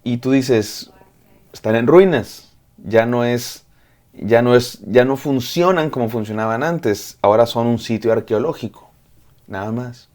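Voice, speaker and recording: A man's voice: mid-range voice, measured pace, darkish tone. Male pastor, devotional sermon, addresses listener directly with rhythmic repetition.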